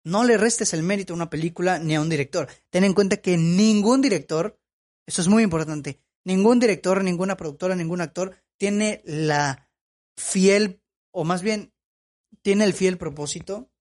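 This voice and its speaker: A man's voice: high-pitched, moderate pace, a little mellow. A man giving opinion commentary as a film vlogger. He talks in an emphatic, lecturing way and repeats his points.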